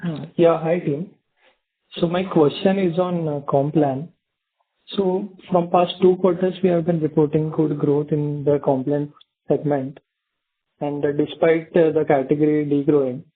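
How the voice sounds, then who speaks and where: A man's voice: a little high, fairly even intonation, unhurried, slightly rough. A man asking polite questions as an analyst on a call. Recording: narrow telephone line.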